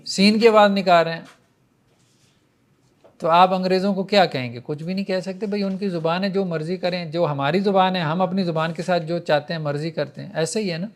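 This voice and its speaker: A man teaching Arabic grammar in a classroom lecture, patiently explaining and reciting verb conjugations in a chanting rhythm. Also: sits high.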